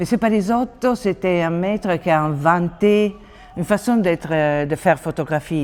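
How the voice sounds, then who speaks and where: In an Italian accent, a woman speaks at a moderate pace with a fairly low pitch and ordinary pitch variation. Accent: Italian, sing-song. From Italy. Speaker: exhibition co-curator. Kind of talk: interview answer.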